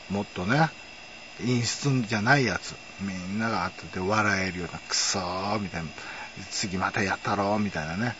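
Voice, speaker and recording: A man's voice: fairly low pitch, lo-fi sound, noisy background. A man, hosting a casual, rambling monologue full of fillers. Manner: rambling, nostalgic storytelling with many fillers. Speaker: podcast host.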